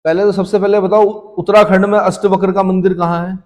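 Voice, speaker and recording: A man's voice: high voice, level tone, fairly quick, darkish tone. A male history teacher, lecturing a class for exam prep and constantly quizzing students, then answering himself. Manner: asks students questions and answers them himself. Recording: long reverberant room echo.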